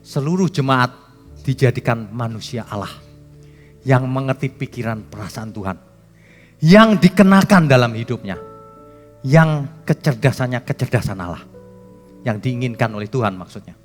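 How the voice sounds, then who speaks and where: A man's voice: medium pitch, animated, moderate pace, pauses often, faint music behind. Emphatic male pastor preaching in a hall. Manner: emphatic, swings from loud to soft; jokes with the congregation. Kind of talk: sermon.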